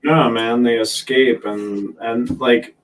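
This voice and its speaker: A man's voice: mid-range voice, fairly even intonation, slow, recorded from a distance, rough recording. A man co-hosting a casual movie-review chat, laid-back and joking, with casual swearing. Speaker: podcast co-host.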